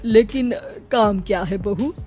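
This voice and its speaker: A woman's voice: mid-range voice, a little mellow, soft background music, lightly acted. A woman voicing a fretful old village mother-in-law. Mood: worried. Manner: slow, pleading, fretful. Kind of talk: cartoon voice acting.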